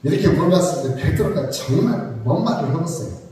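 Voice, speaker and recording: A man's voice: on the high side, animated, a little fast, dark tone. A man preaching a sermon, talking to the congregation conversationally with joking asides and rhetorical questions. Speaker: pastor. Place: church sanctuary. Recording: echoey church hall from far off.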